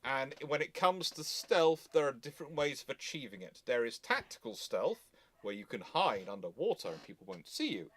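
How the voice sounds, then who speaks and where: Male host, mid-pitched, casual live history chat, deliberate and wry explainer. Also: sing-song, a bit bright.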